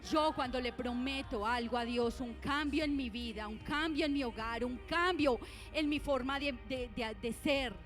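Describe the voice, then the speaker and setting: High-voiced woman pastor exhorting a church. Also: moderate pace, soft background music. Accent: Colombian Spanish. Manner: exhorting, asks the congregation questions. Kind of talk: sermon.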